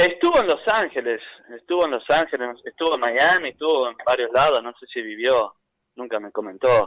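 Recorded dry and close with no echo, a man talks at a moderate pace in a medium pitch. His intonation is lively and his loudness swings widely. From US, South Philadelphia. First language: English (speaking Spanish). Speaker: author. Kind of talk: radio interview.

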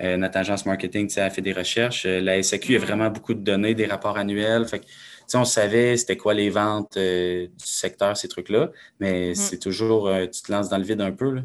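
A man with an unremarkable speaking voice talks at a moderate pace in a fairly low pitch, with fairly even intonation and hardly any pauses, on a very clean recording with a silent background. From Quebec, Abitibi-Témiscamingue. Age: 20s. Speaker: distillery co-founder, entrepreneur. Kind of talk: casual interview.

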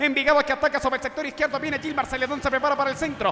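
Over noticeable background noise, a man speaks in a raised, projected voice at an extremely high pitch. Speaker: football play-by-play announcer. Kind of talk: live commentary. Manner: fast; animated.

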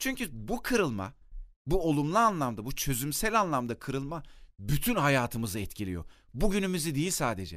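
A man's animated voice at a moderate pace, with very wide pitch swings. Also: fairly high pitch for a man. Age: 40s. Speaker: podcast host. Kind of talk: monologue.

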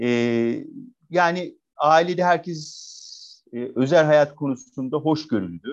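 A man with a fairly high pitch and ordinary pitch variation talks at a very slow pace, leaving long, frequent pauses. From Adana, Turkey. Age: 40s. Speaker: podcast guest, former solar energy professional. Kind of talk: casual interview. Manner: hesitant, many filler sounds. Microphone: connection drops out.

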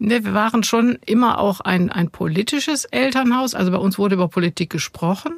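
At medium pitch, a woman talks at a fairly quick pace with lively intonation, very even loudness and hardly any pauses, in a dry, close sound with no echo. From Ruhr area, Germany (Essen). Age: 60s. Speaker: politician and educator. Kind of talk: interview. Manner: hesitant, many fillers.

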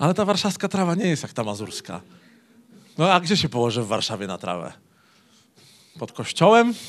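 A man speaks at a high pitch with very wide pitch swings and a fairly quick pace. He leaves long, frequent pauses in a very clean recording with a silent background. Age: 30s. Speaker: pastor. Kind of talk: sermon. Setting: church.

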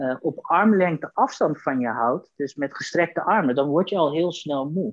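The sound is close and dry, without echo. A man's fairly high voice comes through. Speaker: guest sharing mental health experience. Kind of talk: casual interview. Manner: halting.

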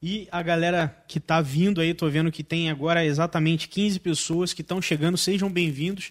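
In a dry, close sound with no echo, a man speaks at a fairly quick pace with hardly any pauses, his high-pitched voice monotone and flat. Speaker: podcast co-host. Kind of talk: casual interview.

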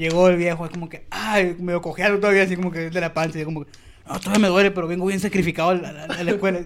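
With noticeable background noise, a man talks at a very fast pace in a high pitch, his loudness swinging widely. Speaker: podcast host. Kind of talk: casual chat. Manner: animated.

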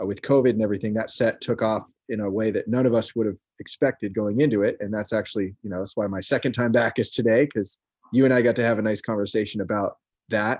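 With an American accent, a man talks at a very fast pace and with fairly even intonation. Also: fairly low pitch for a man. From US West Coast, Marin County, California. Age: 30s. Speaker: artist. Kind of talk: podcast interview.

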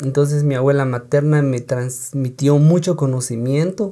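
At a moderate pace, a man with a medium pitch and a dark, mellow tone speaks with fairly even intonation in a very clean recording with a silent background. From Guatemala, San Juan Comalapa. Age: 30s. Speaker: poet and youth NGO worker. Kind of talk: interview.

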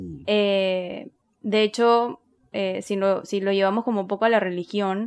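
A woman with an unremarkable speaking voice talks at a fairly slow pace, her medium pitch carrying fairly even intonation. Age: 30s. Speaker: psychologist and teacher, podcast co-host. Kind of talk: casual chat.

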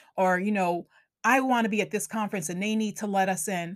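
With a slight Long Island accent, a woman speaks at a moderate pace in a medium pitch and an upbeat, enthusiastic tone, recorded very cleanly against a silent background. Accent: Long Island New York, slight. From Long Island, New York. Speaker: podcast host, interior designer. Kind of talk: podcast monologue with ad read.

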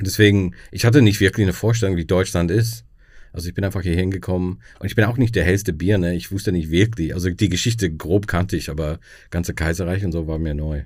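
A man with a very deep, low pitch talks at a very fast pace with ordinary pitch variation. The recording is very clean, with a silent background. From USA. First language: English (speaking German). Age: 50s. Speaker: stand-up comedian. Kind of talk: casual chat.

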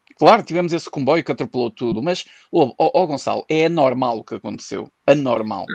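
Lively intonation runs through an unremarkable speaking voice at a fairly quick pace. The sound is dry and close with no echo. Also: man, fairly high pitch for a man. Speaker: political podcast co-host. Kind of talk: casual political debate. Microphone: phone mic, unstable connection.

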